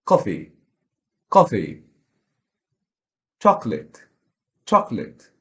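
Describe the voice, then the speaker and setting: Egyptian male pronunciation teacher, encouraging, drills vowel sounds slowly, very expressive pitch. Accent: Egyptian Arabic. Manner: demonstrates vowel sounds slowly, repeating them. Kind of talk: online pronunciation lesson.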